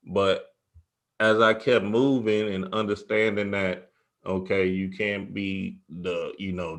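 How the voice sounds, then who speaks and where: Low-voiced man hosting a casual chat. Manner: informal slangy talk. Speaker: interviewer and show host. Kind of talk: casual spiritual interview chat.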